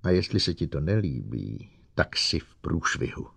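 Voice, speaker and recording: A man voicing an arrogant, scheming young male mathematician who talks loud and sneering. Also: a bass voice, very animated, vocal fry, no room sound, pitched below the performer's own voice, heavily acted. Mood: gloating.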